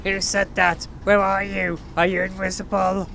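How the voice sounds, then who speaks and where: A man's voice: sits high, completely flat delivery, normal speed, vocal fry, bright, forceful tone, slight background noise, full character voice. A man playing a sardonic, easily startled adventurer, blunt and exasperated, in an audio drama. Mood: alarmed, urgent. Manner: sarcastic, blunt.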